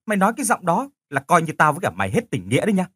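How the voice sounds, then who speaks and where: A man's voice: a little high, sing-song, racing, fairly bright tone, breathy edge, no room sound, pitched above the performer's own voice, full character voice. A man voicing a brash, kind-hearted young woman who bosses her friend around bluntly, in an audio story. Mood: bossy caring. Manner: bossy, blunt, swears affectionately.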